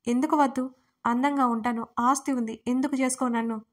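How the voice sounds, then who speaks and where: Smug young rival suitor, voiced by a female narrator, taunting, fairly high pitch. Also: steady tone, a little fast. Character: arrogant scheming young man.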